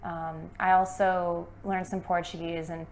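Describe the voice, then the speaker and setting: A woman's voice: lowish voice, level tone, a little slow, darkish tone, a little hiss or hum. A young American woman, an English teacher, chatting upbeat and casually in a conversation lesson. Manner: upbeat, chatty, many fillers.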